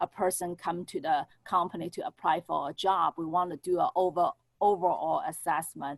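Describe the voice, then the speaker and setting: With a Chinese accent, a woman speaks at a moderate pace and a fairly low pitch over a quiet background. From China and Singapore. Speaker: business owner. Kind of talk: panel discussion. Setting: video call. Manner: halting.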